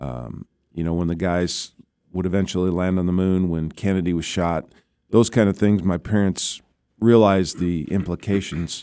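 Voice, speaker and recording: A man with a Midwestern American accent speaks at a moderate pace in a dark, mellow tone, with very deep, low pitch and fairly even intonation, in a very clean recording with a silent background. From US Midwest, Nebraska. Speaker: former astronaut. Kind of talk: interview.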